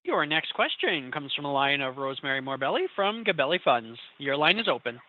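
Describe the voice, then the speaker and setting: A man's voice: a little high, expressive, brisk, no echo. A man working as a conference call operator, making scripted announcements to introduce callers. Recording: narrowband phone line.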